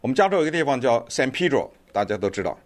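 Male commentator, casual online talk, animated intonation, chatty and rambling, many fillers. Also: medium pitch, rapid-fire. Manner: chatty, digressive, lots of fillers.

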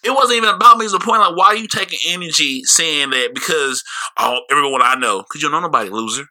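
Man, podcast host, casual profane banter, mocking, sharp tone, fairly high voice. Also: fast. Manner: brash, mocking, laughs often.

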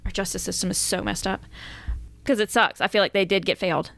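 A woman's voice: mid-range voice, steady tone, fairly quick, vocal fry, fairly bright tone. A woman co-hosting a true-crime podcast, reading out case details and chatting casually. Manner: reads case notes, breaks into laughter. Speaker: podcast co-host.

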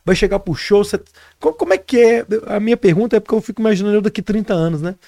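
A man's voice: sits high, very fast, warm tone, no echo. A Brazilian man in his forties hosting a podcast, asking long questions casually and repeating words as he gets them out. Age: 40s. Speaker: podcast host.

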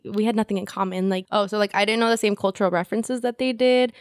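A woman's voice: mid-range voice, steady tone, fast talker, no echo, studio quality. A young woman from Indiana whose first language was Spanish, co-hosting a podcast in a candid, laughing casual chat. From Indiana, United States. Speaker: podcast co-host.

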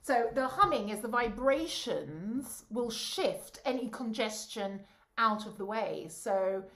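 A woman, an opera singer and voice coach, chatting in a bubbly, animated way and laughing often over a video call. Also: a little high, slow. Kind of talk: casual chat.

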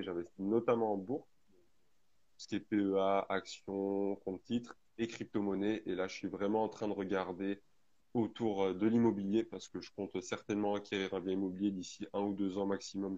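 A man's voice: low voice, a little mellow. A young man hosting a casual live stream, explaining at length with many fillers. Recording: lo-fi online audio.

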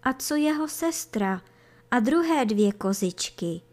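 Woman reading a kids' storybook, calm and even, slightly high voice. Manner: calm, measured narration.

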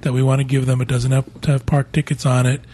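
Husky-voiced male podcast co-host. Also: medium pitch, completely flat delivery, fast talker, mellow. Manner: easygoing, advice-giving. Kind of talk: casual podcast chat.

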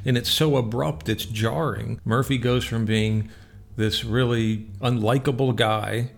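A man's voice: mid-range voice, steady tone, a little slow, gravelly, faint music behind. A man hosting a radio show, giving a casual, conversational and opinionated solo film review, partly read from notes.

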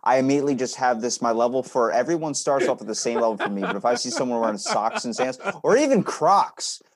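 A man's voice: medium pitch, very animated, fast. A man hosting a podcast in a casual, blunt way, ranting comically with swearing and exaggeration. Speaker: podcast host.

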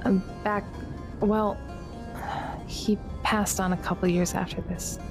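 A woman's voice: mid-range voice, flat delivery, slow, over music. A woman playing a shy, awkward doctor in an audio drama, stammering and unsure of herself as she talks. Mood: hesitant storytelling. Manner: hesitant, self-deprecating, stammering.

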